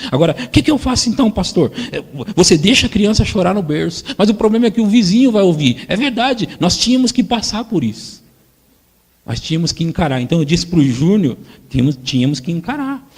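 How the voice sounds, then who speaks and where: Animated husky Brazilian pastor preaching. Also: male voice, fairly high pitch. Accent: Brazilian Portuguese. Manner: animated, acts out parents and crying children. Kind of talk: sermon. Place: church hall. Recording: long church hall reverb.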